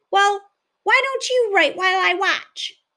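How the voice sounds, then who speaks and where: A woman puts on a squeaky character voice, pitched extremely high and delivered at a moderate pace. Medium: read story. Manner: playful, cheeky.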